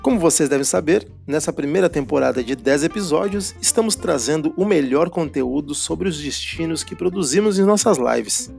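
Upbeat gravelly man announcing a podcast intro. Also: fairly high pitch, animated, moderate pace, few pauses, a little mellow. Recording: guitar music underneath. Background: faint guitar music.

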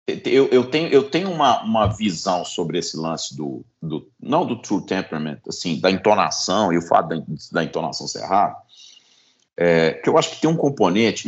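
A man talks casually and loosely, swearing now and then and breaking off to restart his sentences. His pitch swings a lot as he explains things. The recording sounds dull and lo-fi. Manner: animated, swearing, many restarts. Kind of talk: casual chat about guitars.

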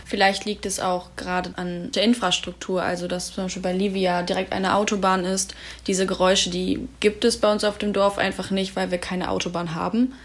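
A young woman from Germany in her early twenties chats calmly on a youth podcast. She talks in a thoughtful, unhurried way, and her voice sits in a middle pitch. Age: 20s. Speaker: podcast volunteer. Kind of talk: casual discussion.

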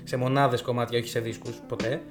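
A young man co-hosting a casual talk show, animated and swearing casually, who often talks over his partner. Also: medium pitch. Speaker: podcast co-host. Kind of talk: casual chat about rap music. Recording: music playing behind the voices.

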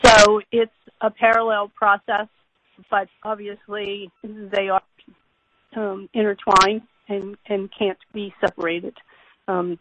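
A woman company executive speaks in a careful, formal way, explaining things step by step on an earnings call. Her delivery is fairly even, and the conference line is dull with a clear hiss. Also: mid-range voice. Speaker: company executive answering analysts' questions. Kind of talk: earnings call question and answer.

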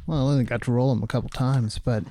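A man talks casually as one of the players at a tabletop game. His voice sits at a medium pitch. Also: steady tone, quick pace, a crowd in the background.

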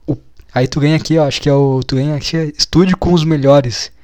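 A man's voice: on the high side, steady tone, fairly quick, darkish tone, dry recording. A man giving casual reaction commentary, mocking and exasperated, swearing often. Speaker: video commentator.

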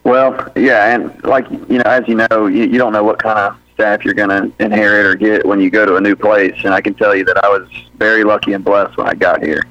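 A low-pitched man in his thirties speaks in a flat, even tone. He's a football coach giving a rambling, easygoing interview full of fillers and restarts. The sound is dry and dull, like lo-fi radio audio. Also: brisk, few pauses, no echo. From Birmingham, Alabama. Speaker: high school football head coach. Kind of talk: interview on a sports radio show.

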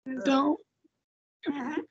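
A woman's voice: high voice, level tone, takes it slowly, dull audio. A woman in her twenties interviewing casually, using slang and informal speech. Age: 20s.

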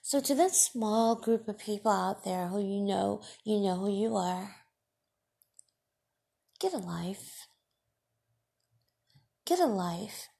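Slow, gravelly-voiced woman podcast host. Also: mid-range voice, lively intonation, mellow. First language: Farsi. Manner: deliberate, emphatic, scolding. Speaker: podcast host and radio broadcaster. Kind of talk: solo podcast monologue.

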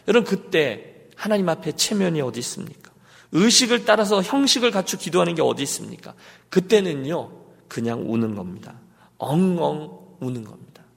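A man preaching a sermon as pastor, swinging between loud urging and hushed pleading. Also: a little high, lively intonation, moderate pace, creaky, breathy edge, long reverb tail. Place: church sanctuary.

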